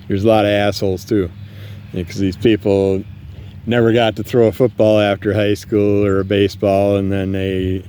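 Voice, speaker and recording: A solo podcast host with multiple sclerosis vents bluntly and angrily, swearing plenty, in a casual rant. His voice is low-leaning, dark and clean in tone. He's outside at night, and distant fireworks and passing traffic can be heard.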